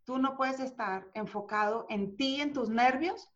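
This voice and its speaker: A woman guest speaking about charisma, emphatic and deliberate, counting off her points. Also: high voice. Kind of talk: motivational interview talk. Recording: slightly dull lo-fi sound.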